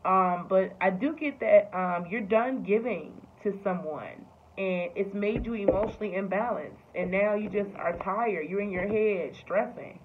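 A woman's voice: medium pitch, a little slow, hardly any pauses. A woman giving a casual tarot reading, talking loosely with lots of fillers and swearing. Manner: loose, profane, filler-heavy talk. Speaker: tarot reader. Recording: tinny phone-like sound with faint noise.

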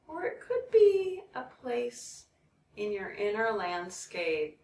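Slow, low-voiced woman guiding a meditation. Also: gravelly. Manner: soothing, measured, with long pauses. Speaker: guided meditation leader. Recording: roomy, distant mic, background noise.

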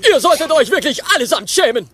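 High-pitched, pompous robot joker. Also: male voice, sing-song, quick pace, sharp tone, a little hiss or hum, full character voice. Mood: indignant, cheeky. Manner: pompous, clownish. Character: brash, theatrical male robot joker. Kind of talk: children's audio play acting. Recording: music and crowd behind voice.

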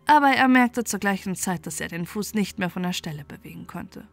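A woman reading a bedtime fairy tale as an expressive, measured storyteller. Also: mid-range voice, vocal fry, soft background music.

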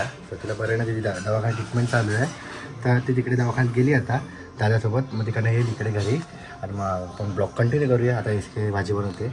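A young man, chatting casually to viewers in a home vlog. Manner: chatty, talks to baby in high sing-song voice. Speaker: vlogger.

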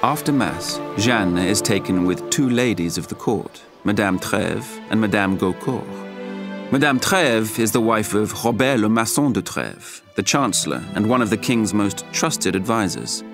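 A reflective storyteller of a medieval French court. His lowish voice gives measured, descriptive narration for an audio drama, with a wry edge and clear music underneath. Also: animated.

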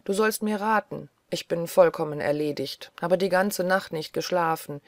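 A woman's voice: on the low side, normal speed, no echo, studio quality, natural voice. A woman voicing a weary, agitated young woman doctor who talks in restless, pleading chatter.

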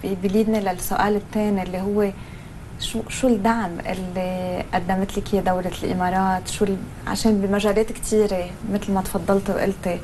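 A woman's voice: mid-range voice, little pitch movement, dark tone, slight background noise, rough recording. A young woman with a Levantine Arabic accent hosting a TV studio interview, asking questions and affirming her guest. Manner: brisk, affirming, encouraging. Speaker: TV host.

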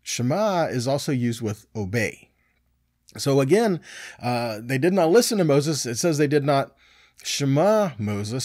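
Middle-aged man, Bible teacher, lively intonation, slightly high pitch, emphatic, rhetorical questions, conversational. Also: no echo, studio quality. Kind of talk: conversational scripture teaching, reading verses and explaining.

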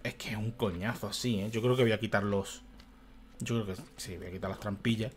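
A man's voice: lowish voice, steady tone, a little fast, slight background noise. Exasperated man narrating gameplay. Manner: exasperated, swearing and muttering to himself. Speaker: gaming youtuber. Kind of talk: let's play commentary.

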